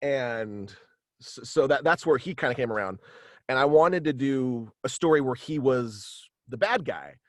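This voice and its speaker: A young man of average pitch talks casually as an interview guest. He is hesitant and rambles in short bursts. The sound is close and very dry, from a padded room. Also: expressive, a little slow, no room sound. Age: young adult. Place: small indoor room with acoustic padding, video call. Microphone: close studio mic, headphones.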